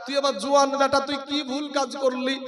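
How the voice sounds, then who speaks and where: A man's voice: extremely high pitch, monotone, quick pace, reverberant, crowd noise. A man doing an old mother's wailing lament. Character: simple-minded old village mother, wailing, woman.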